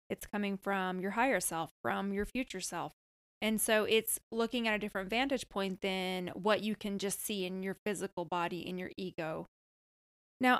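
A woman hosting a podcast on energy healing, speaking in a calm, soothing, reassuring manner. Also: medium pitch, no echo, clean studio sound. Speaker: podcast host and energy healer. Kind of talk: podcast talk and guided healing.

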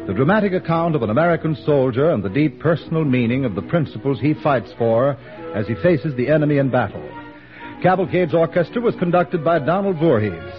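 A man announcing a 1940s radio program in a formal, polished manner. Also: a little high. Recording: muffled 1940s radio broadcast with faint music.

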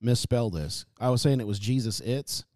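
A man's voice: mid-range voice, expressive, normal speed, darkish tone, no echo, clean studio sound. A man hosting a podcast in casual chat, rambling and joking about himself. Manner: rambling, joking, self-deprecating. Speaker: podcast host.

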